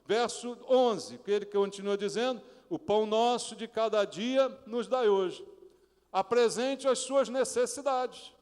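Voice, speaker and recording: A male pastor from Brazil preaching a sermon, asking the congregation questions and acting out prayers in a hushed, pleading voice. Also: high-pitched, a little slow, clean tone. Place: church sanctuary. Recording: reverberant church hall.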